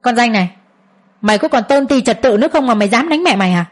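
Brief: woman reader as a domineering father-in-law, scolding and scornful, breathy tone. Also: medium pitch, fast talker, close to an everyday voice. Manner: scolding, contemptuous.

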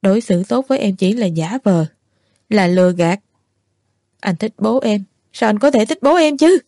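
A woman's voice: medium pitch, animated, normal speed, dark tone, dry recording, studio quality. A woman reading as a drunk, sulky young man. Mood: accusing. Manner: sulky, accusing reproaches. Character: drunk, petulant young man, hurt and accusing.

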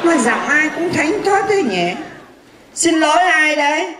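A man's voice: extremely high pitch, big pitch swings, measured pace, bright, forceful tone, slight background noise, full character voice. A man playing a boastful, teasing blind fortune teller in a stage comedy skit. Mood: flirty. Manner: bragging, teasing, insulting banter. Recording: echoey live stage with audience.

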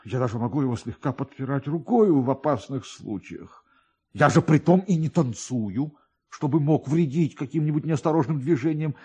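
Man acting a desperate, pompous major, swooping pitch. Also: expressive, moderate pace, a little mellow, husky. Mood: pleading. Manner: pleading, agitated, pompous. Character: desperate, pleading, indignant male army major, vain and pompous. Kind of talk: classic literary radio dramatization.

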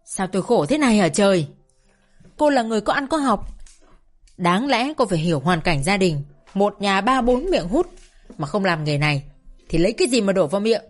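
A woman's voice: medium pitch, big pitch swings, moderate pace, soft background music. A woman voicing a bitter middle-aged mother who runs a brothel, scolding her daughter in a tearful, indignant voice. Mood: tearful anger.

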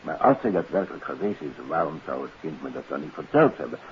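Diepe, bezorgde psychiater in oud hoorspel. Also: male voice, extremely low pitch, big pitch swings, fast talker, full character voice. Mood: perplexed, uneasy. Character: troubled psychiatrist father, baffled by his daughter. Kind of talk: 1950s Dutch radio drama acting. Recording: hissy, dull old radio recording.

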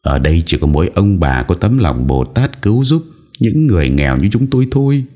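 A man's voice: deep voice, big pitch swings, fairly quick, warm tone, voice pushed up. A man voicing a poor, weary father who laments through sobs. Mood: lamenting. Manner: sobbing, lamenting.

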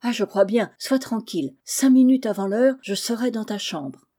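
A woman reading aloud, voicing a mischievous but good-hearted orphan boy, speaking quietly. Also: fairly high pitch, lively intonation, normal speed. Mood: defiant.

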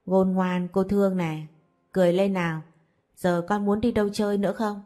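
A woman voicing a kind, caring young woman who speaks in a gentle, coaxing way. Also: mid-range voice, fairly even intonation, moderate pace, soft background music, lightly acted.

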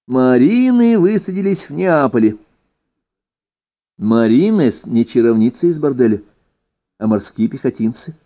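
A man reading an ironic first-person essay aloud, with expressive, playful emphasis. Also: medium pitch. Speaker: reader. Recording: dull lo-fi recording.

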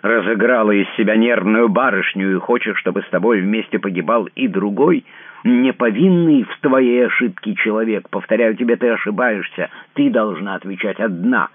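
A man's voice: very deep voice, steady tone, no room sound, full character voice. A man voicing a cynical, scheming lover who speaks coldly and clips each word. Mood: cold contempt. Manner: cold, measured, clipping each word. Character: cold, scheming male lover, mocking and cynical. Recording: tinny narrow-band radio sound, dry.

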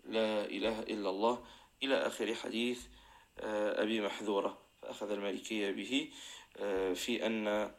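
A man teaching Islamic jurisprudence as a sheikh, explaining a verse text and chanting the phrases of the call to prayer, with frequent drawn-out fillers. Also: lowish voice, little pitch movement.

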